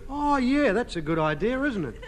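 A hapless, dim sidekick who talks in a slow, simple way, his voice pitched quite high for a man. An old radio comedy recording with a clear noise hiss underneath. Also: very animated. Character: dim-witted, hapless working-class male sidekick. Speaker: comic sidekick. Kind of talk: 1950s radio sitcom acting. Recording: noisy old radio broadcast.

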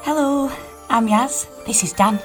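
A woman playing a sensible, matter-of-fact young companion in a dramatised story, frank and measured. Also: on the high side, soft background music, close to an everyday voice.

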